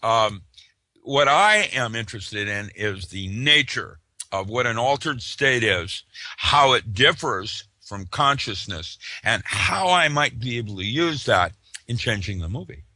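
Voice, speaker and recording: A man's voice: medium pitch, lively intonation, measured pace, pushed and bright, no room sound. An older man talking as an interview guest, rambling loosely with lots of "uh" fillers and restarts. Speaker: interview guest, author and physicist. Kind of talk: casual interview talk.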